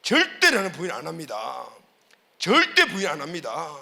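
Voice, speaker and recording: Preacher doing a brash, boastful disciple in a sermon: high, bright male voice, emphatic. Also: huge pitch swings, moderate pace, gravelly, heavily acted. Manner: emphatic, insistent declarations.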